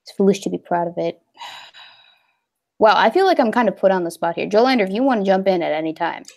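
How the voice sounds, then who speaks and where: A woman's voice: medium pitch, lively intonation, fast, creaky, a little mellow, a little hiss or hum. A young woman hosting a casual livestream, talking in a rambling, hesitant way with many fillers. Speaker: livestream host.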